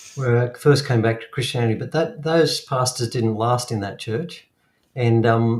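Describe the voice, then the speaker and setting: A man with an Australian accent, medium in pitch and somewhat breathy, at a moderate pace with ordinary pitch variation. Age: 60s. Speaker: church member sharing experience. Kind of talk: panel discussion testimony. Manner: hesitant, many fillers.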